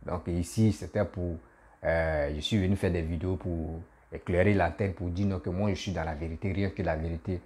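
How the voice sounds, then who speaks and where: Male comedian-vlogger, deep warm voice, animated and repetitive. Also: moderate pace. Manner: animated, repetitive, laughs at himself. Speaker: comedian and YouTuber. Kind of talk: casual political commentary vlog.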